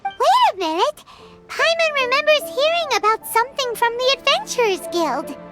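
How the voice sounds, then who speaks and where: Tiny fairy companion, very high, lively, worried, chatty, loud game music behind. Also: female voice, normal speed. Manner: high squeaky worried voice, refers to herself in third person. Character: small floating female fairy companion, anxious and chatty. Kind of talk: video game voice acting.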